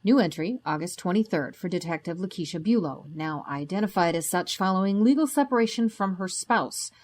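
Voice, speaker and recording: A woman's voice: lowish voice, expressive, fairly quick, a little mellow. An actress playing a skeptical woman psychologist with a clipped, clinical manner in an audio drama.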